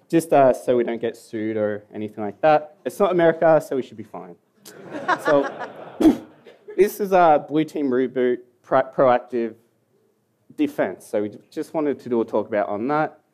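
A man's voice: mid-range voice, big pitch swings, moderate pace, darkish tone. A young Australian man with an Australian accent, giving a casual, joking conference talk that mumbles at times in a hall. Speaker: security conference speaker.

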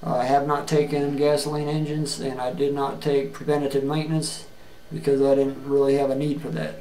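A middle-aged man giving a plain-spoken, earnest video resume, halting often with fillers and restarts, recorded on a webcam in a small room. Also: mid-range voice, level tone, warm tone, slight background noise. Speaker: job seeker. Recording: echoey room with faint ambience.

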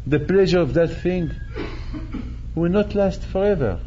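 An older Moroccan rabbi delivers a sermon in a synagogue hall, speaking animatedly into a stand mic set at chest height, repeating phrases and acting out quotes. His voice is high-pitched and lively, with a warm tone and a measured pace. The audio is dull, with a faint hiss or hum.

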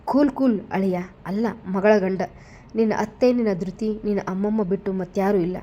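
A woman's voice: medium pitch, fairly even intonation, moderate pace, mellow, muffled recording, natural voice. A woman voicing a sneering scheming father-in-law. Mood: mocking threats. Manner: sarcastic, mocking, threatening.

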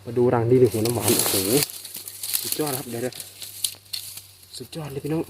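A man with a Northeastern Thai accent talks straight to his camera outdoors as he cuts wild bee nests from low branches. He exclaims often, and he speaks in an easygoing, chatty way at a middle pitch. The sound comes through a handheld camera mic. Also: moderate pace, background noise. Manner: excited exclamations, addresses viewers as brothers and sisters. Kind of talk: casual narration while working outdoors. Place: outdoors in rural scrubland.

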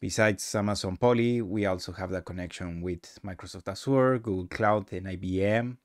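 Low-voiced man presenting a tutorial. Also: normal speed, dry recording, studio quality. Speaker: presenter of a software demo. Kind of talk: casual screen-recorded tutorial narration.

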